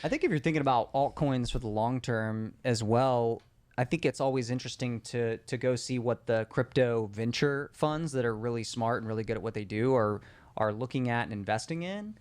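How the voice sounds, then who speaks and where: A man with a middle-range voice chats on a casual money podcast. He thinks out loud, hedges his claims and leans on fillers. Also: mid-range voice, normal speed, clear, resonant tone. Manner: thoughtful, hedging, many fillers.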